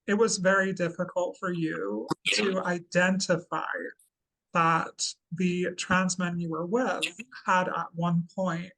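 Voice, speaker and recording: Trans woman interviewer, relatively deep voice, gravelly edges; careful, measured delivery. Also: fairly bright tone, poor audio. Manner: thoughtful, measured, careful wording.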